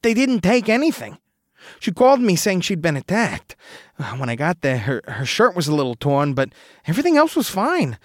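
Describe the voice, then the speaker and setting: A man's voice: high-pitched, huge pitch swings, normal speed, no echo, studio quality, pitched above the performer's own voice, exaggerated voice. Man doing a nervous stammering roommate. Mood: worried. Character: anxious young man, worried rattled roommate.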